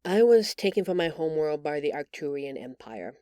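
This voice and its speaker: A woman voicing a gentle, timid alien woman in an intimate audio roleplay, speaking hesitantly and earnestly, with tender halting stammers. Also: low voice, sing-song, no room sound, studio quality. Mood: earnest explaining. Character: gentle, timid bioluminescent alien woman, shapeshifter in human exile.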